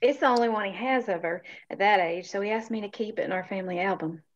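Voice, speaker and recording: A woman plays a chatty, welcoming family woman in a small-town drama table read. She is folksy, mid-pitched and a little muffled by lo-fi sound. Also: fast, lightly acted. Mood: teasing.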